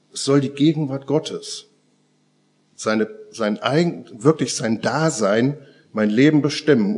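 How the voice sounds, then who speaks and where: A man preaching to a congregation at a church service, with a voice of ordinary middle pitch. He speaks earnestly in slow, deliberate phrases and often drops to a hushed, intimate murmur. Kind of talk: sermon.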